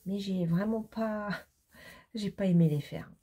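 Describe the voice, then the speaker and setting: A woman's voice: mid-range voice, fairly even intonation, slow, warm tone, slight background noise. A middle-aged woman from France chatting casually to camera in a knitting vlog, rambling with many fillers, tired and still congested after laryngitis. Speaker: knitting vlogger.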